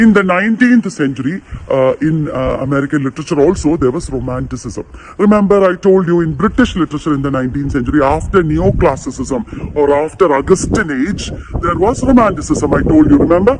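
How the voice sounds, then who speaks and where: A man's fairly high voice with lively intonation at a fairly quick pace, over noticeable background noise. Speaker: literature teacher. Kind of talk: lecture.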